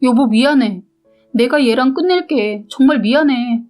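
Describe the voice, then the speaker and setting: A woman's voice: fairly high pitch, fairly quick, darkish tone, faint music behind, close to an everyday voice. Self-pitying cheating husband as a woman reader puts him on, pleading, storybook telling.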